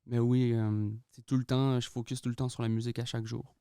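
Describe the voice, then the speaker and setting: A young Québécois man talks easily in a casual interview, dropping English words and laughing often. His voice is smooth and clear, recorded dry and close. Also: mid-range voice, little pitch movement, brisk, dark tone, dry recording. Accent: Québécois French. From Quebec, Canada. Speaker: guest artist.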